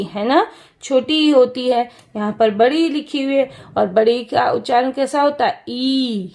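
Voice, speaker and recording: Slow, high-voiced woman teaching young children. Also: creaky, a little mellow. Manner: slow, repeats questions and answers for small children. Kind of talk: children's lesson.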